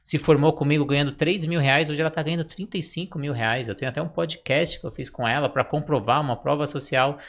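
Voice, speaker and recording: A man's voice: a little high, steady tone, fast talker, hardly any pauses, a bit bright. A man hosting a podcast interview, asking long, thoughtful questions. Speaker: podcast host.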